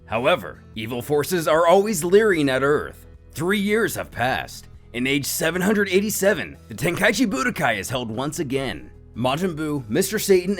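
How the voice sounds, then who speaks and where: A man narrates a manga story in a fairly high, very animated voice. His delivery is scripted and dramatic, with expressive storytelling over faint background music.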